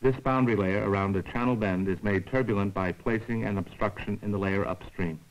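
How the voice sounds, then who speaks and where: A man giving formal, measured scripted narration for an educational science film, explaining carefully like a lecturer. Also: fairly low pitch, highs cut off.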